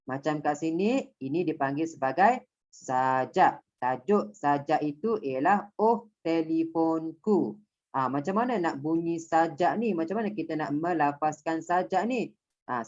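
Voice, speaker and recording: A woman's voice: deep voice, lo-fi sound. A woman teacher with a Malaysian Malay accent, explaining a lesson step by step and checking that her pupils understand. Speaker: primary school Malay teacher. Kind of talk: online class lesson.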